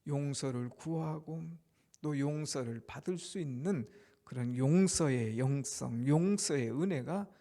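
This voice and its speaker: A male pastor preaching a Good Friday sermon, swinging from loud declarations to hushed whispers and leading the congregation in amens. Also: mid-range voice, unhurried. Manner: leads the congregation in amens and responses.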